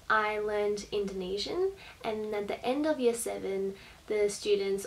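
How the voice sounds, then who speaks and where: A young Australian woman chatting to camera in a small, bright bedroom. She sounds friendly and easygoing, with an occasional soft laugh. Her pitch sits in a middle range, and a faint hiss lies under the recording. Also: rough recording. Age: young adult. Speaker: vlogger. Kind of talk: casual talk to camera. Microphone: camera at desk distance.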